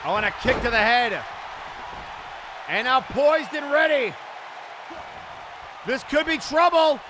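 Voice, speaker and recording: A man giving live play-by-play wrestling commentary with excited, exclamatory calls. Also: extremely high pitch, takes it slowly. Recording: noisy event audio with loud crowd. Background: crowd and arena noise.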